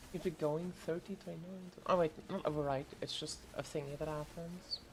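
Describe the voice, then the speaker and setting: A woman speaks at a moderate pace with a fairly low pitch. Her voice is somewhat breathy and her intonation is monotone and flat. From South Africa. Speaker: game streamer. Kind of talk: casual chat. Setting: live stream. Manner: halting.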